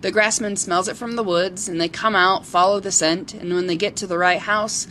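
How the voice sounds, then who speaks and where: A woman playing a kindly local who befriends forest creatures in an audio drama, talking in a gentle, earnest, storytelling way. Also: medium pitch, fairly even intonation, moderate pace, a little hiss or hum, close to an everyday voice. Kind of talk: amateur audio drama acting.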